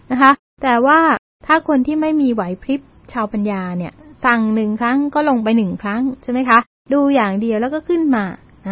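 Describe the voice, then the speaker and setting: Polite woman radio lecturer, lo-fi sound. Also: fairly high pitch. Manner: polite, with frequent Thai particles, mixing in English terms. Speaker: university learning centre presenter. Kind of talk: educational community radio talk. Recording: dull lo-fi radio recording.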